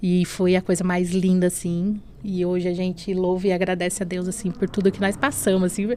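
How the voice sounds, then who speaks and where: A woman's voice: lowish voice, little pitch movement, brisk, darkish tone, a little hiss or hum. A woman from Brazil telling her personal faith testimony as a podcast guest, earnest and emotional, often adding "né?". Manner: earnest, often adds "né?" and "assim".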